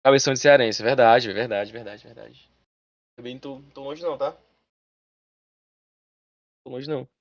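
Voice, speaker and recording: A male teacher giving a live online class, talking fast and chatty, speaking straight to his students. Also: mid-range voice, no echo, highs cut off.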